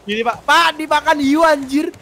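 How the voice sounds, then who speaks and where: A man's voice: very high voice, normal speed, a crowd in the background. A man playing a survival game with a friend, urgently pleading and nagging him to hurry and help. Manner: pleading, urgent, calls his partner 'Pak' constantly. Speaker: gaming YouTuber. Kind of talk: gameplay banter.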